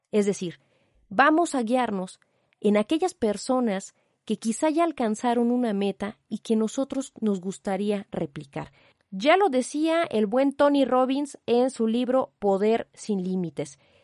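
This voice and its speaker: A woman with an ordinary speaking voice talks at fairly high pitch and a fairly slow pace with lively intonation. The sound is dry and close with no echo, over a quiet background. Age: 30s. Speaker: podcast host. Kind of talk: solo podcast monologue.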